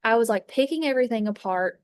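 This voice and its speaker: A woman's voice: on the high side, animated, quick pace, clear, resonant tone, dry recording, studio quality. A woman, chatting casually as a fragrance consultant, rambling with lots of fillers and restarts. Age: 30s. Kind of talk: casual chat. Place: inside an RV.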